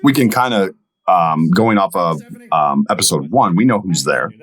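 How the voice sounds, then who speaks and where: Deep voiced guy, podcast guest, casual chat, kinda halting and measured. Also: expressive, fairly bright tone. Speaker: guest voice actor. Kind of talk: casual interview and commentary.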